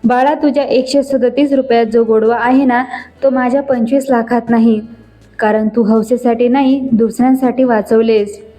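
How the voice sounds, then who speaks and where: A woman's voice: on the high side, fairly even intonation, normal speed, warm tone, natural voice, rough recording. A woman voicing an earnest young man, a former vlogger, who speaks out with feeling in a storybook tale.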